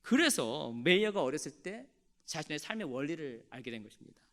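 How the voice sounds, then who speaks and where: Male pastor, high and lively voice, animated sermon storyteller. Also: brisk. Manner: animated storytelling, calls on the congregation to respond.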